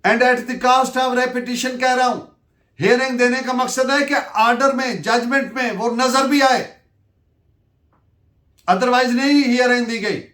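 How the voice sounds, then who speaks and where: A man with a Pakistani accent giving a lecture, deliberate and emphatic as he dictates references and switches between two languages. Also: very high-pitched, fairly bright tone. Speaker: law lecturer. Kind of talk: lecture dictating case citations and explaining legal principles. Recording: echoey room.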